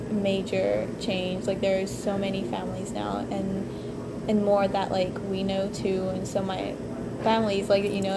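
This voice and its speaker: A woman's voice: mid-range voice, creaky. A young woman from Mexico chats casually about growing up, using "like" a lot. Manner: chatty, heavy use of "like". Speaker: interviewee. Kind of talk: casual personal testimony. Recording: loud background noise.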